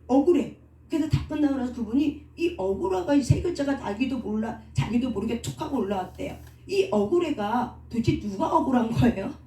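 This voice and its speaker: A woman's voice: sits high, warm tone. Distant, echoey woman preaching. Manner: asks the congregation questions and answers them herself. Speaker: pastor. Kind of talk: sermon.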